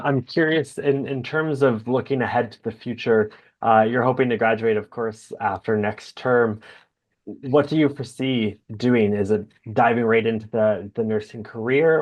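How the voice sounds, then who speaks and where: A man's voice: mid-range voice, normal speed. A young man hosting a video call interview, asking friendly questions from a home office. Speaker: host. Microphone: video call webcam.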